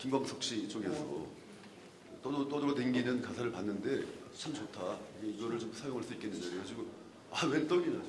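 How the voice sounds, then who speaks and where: Noticeable background noise sits behind a man speaking at a medium pitch with ordinary pitch variation. He talks at a fairly quick pace but with long, frequent pauses. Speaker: poet and author. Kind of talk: book talk in front of audience. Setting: stage with audience.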